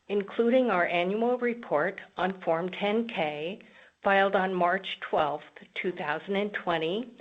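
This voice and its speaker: A woman formally reading a scripted disclaimer as the moderator of a company conference call. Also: lowish voice. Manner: formal, reads long lists item by item. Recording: dull, band-limited conference call audio.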